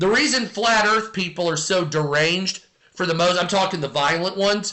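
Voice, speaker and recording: A high-pitched man at a moderate pace, with ordinary pitch variation. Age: 40s. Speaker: livestreamer commenting on politics. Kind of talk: live stream chat reacting to viewers. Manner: casual, profane.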